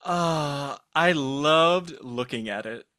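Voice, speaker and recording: A man speaking as a podcast guest in casual chat, expressive and playful. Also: fairly high pitch, slow pace, no echo, clean studio sound.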